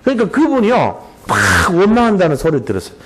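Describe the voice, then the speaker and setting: Male pastor giving a sermon, high voice with a wide swing in pitch, acts out quotes, asks the crowd questions. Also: fast talker, slightly rough. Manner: animated preaching, acts out quoted voices, frequent rhetorical questions. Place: church.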